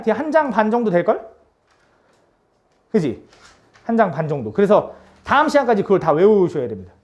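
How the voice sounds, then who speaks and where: Lively teasing woman math teacher. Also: on the high side, lo-fi sound. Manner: teasing, coaxing students with frequent tag questions. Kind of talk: classroom math lesson.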